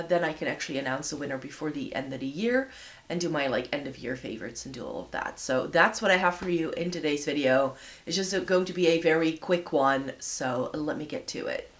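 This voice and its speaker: A woman with a slightly low voice and a light rasp from a cold talks in a friendly, rambling way. She thinks aloud with small pauses and fillers. She speaks from a home office. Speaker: beauty vlogger hosting a giveaway. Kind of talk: casual chatty product showcase.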